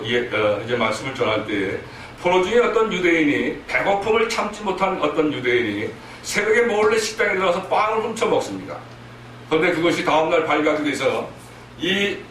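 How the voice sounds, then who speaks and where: A man's voice: on the high side, fairly bright tone. Man, preaching a sermon, earnest, emphatic, rhetorical questions, distant mic, strong hall echo, faint background hiss. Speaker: missionary preacher. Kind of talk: sermon at a prayer meeting. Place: church hall. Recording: echoey hall from far off, faint noise.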